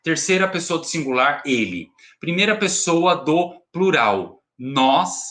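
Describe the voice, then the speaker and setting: A man's voice: on the high side, big pitch swings, slow pace, fairly bright tone. A male teacher with a Brazilian Portuguese accent, explaining a lesson to students and checking in with frequent tag questions. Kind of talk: recorded remote class lesson.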